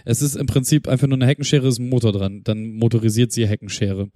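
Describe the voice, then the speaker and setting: Rambling man, dark voice. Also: mid-range voice, little pitch movement, fast, no room sound, studio quality. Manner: rambling, self-interrupting, swears casually. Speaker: podcast co-host. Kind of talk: casual chat.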